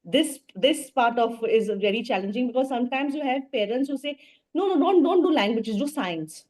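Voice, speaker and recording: A woman's voice: fairly high pitch, expressive, normal speed, a little mellow. A woman from Goa with a Goan Indian English accent, answering as a teacher in an interview, often repeating and rephrasing her words. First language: Portuguese and Konkani. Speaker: language teacher, interview guest.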